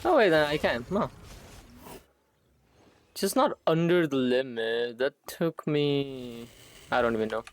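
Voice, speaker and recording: Slow-talking man streaming a game. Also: medium pitch, expressive. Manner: muttering to himself in short, sparse remarks. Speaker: game livestreamer. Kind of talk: casual solo gameplay commentary.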